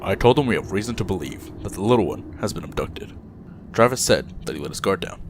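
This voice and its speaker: An actor playing a grave, loyal aide in an audio drama, speaking formally and deferentially. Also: male voice, low-pitched, expressive, fairly quick. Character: grave, formal, loyal male aide reporting to his boss. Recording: clear background ambient noise.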